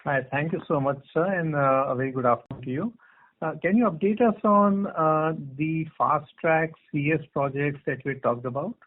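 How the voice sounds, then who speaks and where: A man's voice: fairly high pitch, moderate pace. A man with an Indian accent asking polite, tentatively phrased questions as a financial analyst on a conference call. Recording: narrow, muffled phone line.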